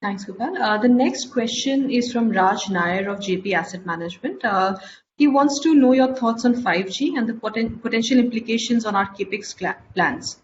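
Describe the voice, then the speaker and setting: A female moderator reads out questions on a conference call. Her voice sits a little high, and the audio is somewhat dull with faint noise behind it. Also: normal speed. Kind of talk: reading out investor questions.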